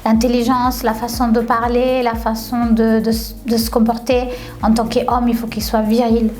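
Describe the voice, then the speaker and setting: A woman's voice: a little high, little pitch movement, moderate pace, a little mellow. A young woman from Tunisia chatting casually in an interview, often laughing and repeating her words. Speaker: reality TV contestant. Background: faint background music.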